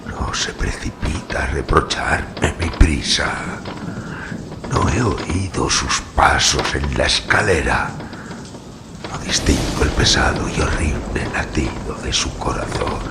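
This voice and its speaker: Gothic radio drama: mad haunted nobleman, gravelly and feverish, slow, breathless whispery delivery. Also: extremely low pitch, heavy background noise, full character voice. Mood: frantic terror. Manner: halting, feverish, breathless declamation. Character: mad, terror-stricken tormented nobleman, haunted brother.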